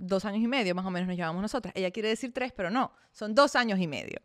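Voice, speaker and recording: At a very fast pace, a woman speaks in an animated tone, with a dry, close sound with no echo and a very clean recording over a silent background. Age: 30s. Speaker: fitness influencer and podcast host. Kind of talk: casual monologue.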